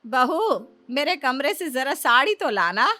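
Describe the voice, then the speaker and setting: A woman's voice: high voice, big pitch swings, unhurried, background noise. A woman voicing a stern scheming mother-in-law. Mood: commanding. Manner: bossy, testing. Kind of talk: Hindi cartoon voice acting.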